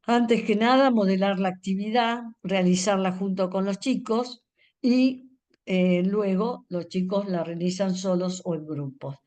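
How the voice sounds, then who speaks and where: An older woman gives a lecture to teachers. She explains step by step, often pausing on fillers, and draws out single speech sounds to demonstrate them. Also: medium pitch, a little mellow. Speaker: reading education specialist speaking to teachers.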